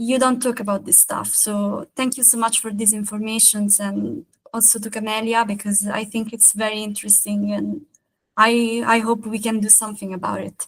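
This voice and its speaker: With a strong Italian accent, a woman talks at a moderate pace, her fairly high, somewhat breathy voice held to a monotone, flat intonation. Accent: heavy Italian. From Italy. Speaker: university student intern. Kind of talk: seminar discussion. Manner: halting.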